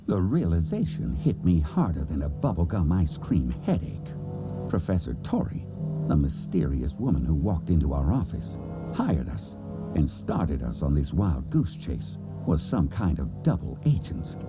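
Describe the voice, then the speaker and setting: A man's voice: extremely low pitch, sing-song, unhurried, heavily acted. A man voicing a hard-boiled, melodramatic cartoon detective in noir parody narration. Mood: brooding. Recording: music behind the voice.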